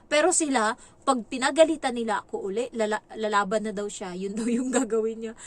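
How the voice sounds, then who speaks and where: High-voiced Filipina telling a story. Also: female voice, brisk. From Philippines. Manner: animated retelling, jumps higher and louder when quoting others. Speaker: domestic helper. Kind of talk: casual storytelling vlog.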